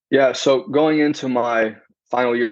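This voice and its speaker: Delivered at a fairly quick pace, this is an ordinary speaking voice with fairly even intonation. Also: man. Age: 20s. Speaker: personal trainer. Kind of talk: interview.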